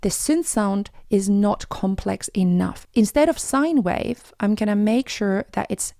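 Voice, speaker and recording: A woman's voice: medium pitch, animated, measured pace, vocal fry, mellow. A woman hosting an audio production tutorial, explaining things simply and informally, one step at a time. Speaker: tutorial host, music production teacher.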